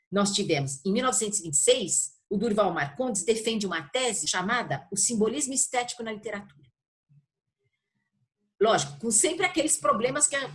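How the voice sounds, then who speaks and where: An older woman with a Brazilian Portuguese accent, a professor explaining informally in an interview, searching for words and often adding short check-in tags. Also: on the high side. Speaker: university literature professor being interviewed.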